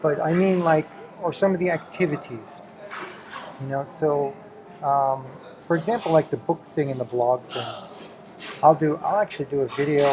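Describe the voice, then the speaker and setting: A man's voice: mid-range voice, low-quality recording. A middle-aged man chatting casually and encouragingly with his teenage child as the host of a home video. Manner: encouraging, affirms often with "right" and "exactly".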